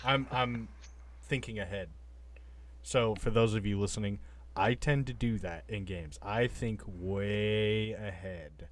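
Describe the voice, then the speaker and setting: A man's voice: on the low side, slow pace, slight background noise. A man playing in a tabletop roleplaying podcast, chatting casually and hesitantly as he thinks aloud. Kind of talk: casual game chat.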